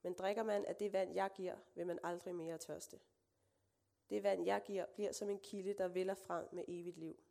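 Woman reading a calm teacher figure, earnest and even, slight rasp. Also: on the low side. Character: calm male teacher speaking to a stranger.

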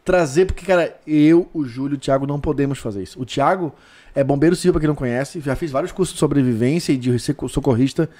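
A man's voice: medium pitch, fast talker, dark tone. A man with a Brazilian accent, co-hosting a casual live stream with blunt, sweary slang.

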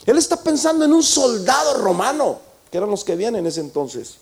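A high-voiced man preaches to his congregation. He tells the story with drama and presses his listeners with repeated rhetorical questions. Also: lively intonation, a little fast, a little mellow, breathy edge. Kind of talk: sermon.

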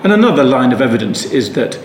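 A man leads an unscripted Bible study, his medium-pitched voice quick and sing-song. As a Bible teacher, he rambles thoughtfully, starting over often and slipping into asides. Faint ambient noise fills the echoey room.

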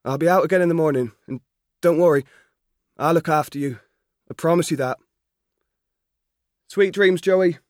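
A man's voice: on the high side, moderate pace, pauses often, no echo, clean studio sound, pitched above the performer's own voice, close to an everyday voice. A man voicing an eager, earnest thirteen-year-old farm boy in a storybook reading. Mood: gentle. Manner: excited, gentle, earnest. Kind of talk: audiobook character voice.

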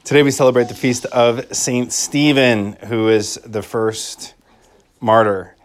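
A man's voice: medium pitch, flat delivery, measured pace. A man speaking as a Catholic priest, reading scripture and preaching a homily in a reflective manner, repeating phrases for emphasis. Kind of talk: liturgical Gospel reading and homily.

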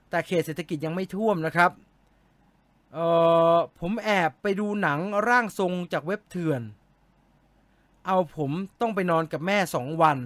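A man's voice: sits high, fairly bright tone, no room sound. A man hosting a casual live stream, reading out viewer comments and answering them in a chatty, joking way.

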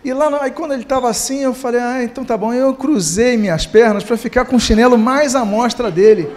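High-voiced Brazilian pastor preaching. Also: male voice, brisk, darkish tone. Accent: Brazilian Portuguese. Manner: humorous, conversational, addresses congregation. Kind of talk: sermon. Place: church.

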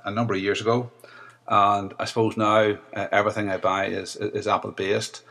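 A man with a Northern Irish accent and a deep, rough voice, leaving a hesitant recorded message for a podcast host with many fillers. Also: fairly bright tone. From Northern Ireland. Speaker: listener sending in a voice message.

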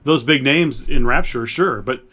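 A man's voice: medium pitch, unhurried, sharp tone. Man casually hosting a podcast chat. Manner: reads out listener suggestions and reacts. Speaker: podcast host. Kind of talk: casual chat about games and films.

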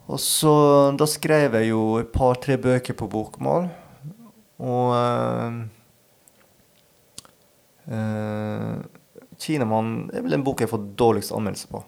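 A man, an author and podcast guest, speaking in a thoughtful, halting way and often searching for his words. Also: mid-range voice, fairly even intonation, gravelly, a little mellow, clean tone. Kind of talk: reflective interview talk.

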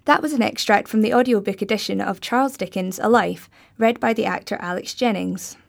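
A woman's voice: mid-range voice, a little fast, vocal fry. A woman presenting a podcast as host, reading scripted links between segments.

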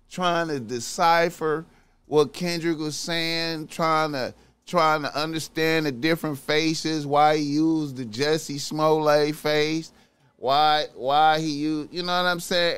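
Higher-pitched man, slow casual reaction commentary. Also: a bit bright, smooth. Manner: repeats phrases, slangy.

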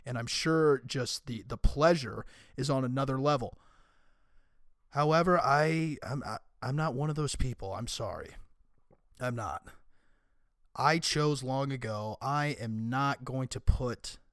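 A young man hosting a casual solo podcast, his voice raspy and hoarse, talking in an opinionated, emphatic way. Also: medium pitch, unhurried, no echo, studio quality. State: hoarse from screaming and illness. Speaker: podcast host.

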